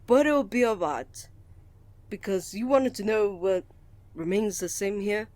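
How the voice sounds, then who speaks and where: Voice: mid-range voice, a little slow, darkish tone, no echo, natural voice. A voice actor playing a shy, flustered male college student in love, stammering, earnest and courteous, in a romantic ASMR roleplay. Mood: bashful, tender. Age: young adult.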